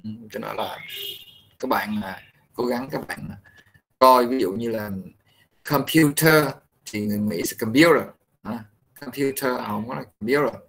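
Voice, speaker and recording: A man's voice: fairly low pitch, creaky, a bit bright, poor audio. Patient male teacher. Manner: patient, pausing often to explain slowly. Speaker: English pronunciation teacher. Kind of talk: classroom instruction mixing Vietnamese and English.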